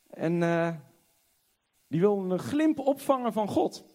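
High-voiced impassioned male preacher. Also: big pitch swings. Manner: impassioned, swings from loud high exclamations to hushed low tones; reads scripture aloud slowly and emphatically. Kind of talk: sermon.

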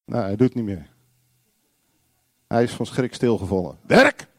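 A man preaching a sermon, blunt and confrontational, acting out little dialogues and shouting single words. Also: lowish voice, moderate pace, no room sound, studio quality.

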